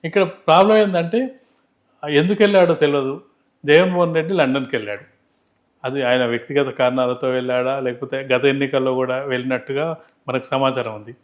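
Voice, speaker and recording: Male political analyst, brisk delivery, emphatic and explanatory, unscripted. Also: mid-range voice, fairly even intonation. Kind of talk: unscripted political commentary in an interview.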